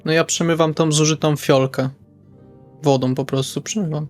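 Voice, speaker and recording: A man's voice: a little high, fairly even intonation, moderate pace. A man playing in a tabletop role-playing session, talking casually and partly in character. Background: background music.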